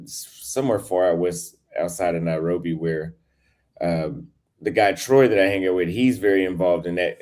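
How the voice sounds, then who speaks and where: A very deep-voiced man talks casually as a guest. His speech rambles, with fillers and pauses while he looks for the right words. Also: a little mellow. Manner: loose, rambling, searching for words. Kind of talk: casual video-call chat.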